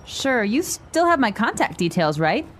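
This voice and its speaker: A woman playing a friendly, easygoing businesswoman in a scripted language-lesson dialogue, with a standard American accent and cheerful, clear enunciation. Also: medium pitch, very animated, takes it slowly, a bit bright, a little hiss or hum. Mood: friendly, upbeat. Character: friendly, easygoing young businesswoman meeting an acquaintance.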